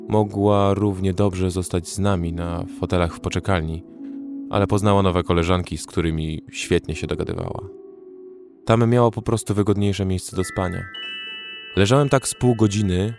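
A young man recounting his survival in a horror audio drama, telling the story in a measured, steady way with a very low voice, as an actor narrates it. Faint music sits behind the narration. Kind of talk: first-person scripted horror narration.

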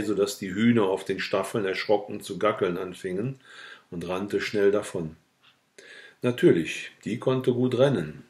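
Low-voiced man reading a novel aloud. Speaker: audiobook reader.

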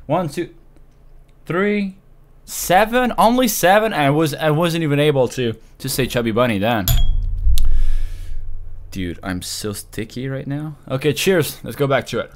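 A man in his twenties giving excited, exclamatory casual commentary as he plays a game. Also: on the high side, unhurried, pauses often, a little hiss or hum. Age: 20s. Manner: exclamatory, swearing. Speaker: let's play host. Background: electronic game music.

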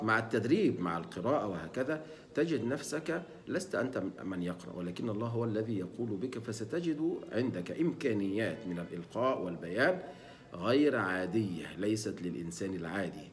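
A man teaches Quran recitation, breaking words into single letters and sounding them out slowly. His voice swings widely in pitch as he explains. He poses questions and answers them himself. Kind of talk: tajweed lesson with demonstrations.

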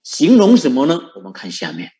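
A man preaches a Buddhist sermon, his pitch rising and falling in lively swings. He sits a little higher than most men and keeps asking his listeners rhetorical questions. He chuckles often as he coaxes them along. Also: a little fast. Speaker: Buddhist monk teaching.

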